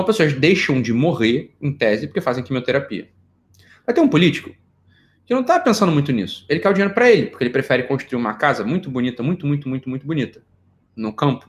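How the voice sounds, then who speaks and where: A middle-aged Brazilian man giving an informal psychology lecture, joking and firing off rhetorical questions. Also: medium pitch. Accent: Brazilian Portuguese. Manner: animated, jokey, rhetorical questions.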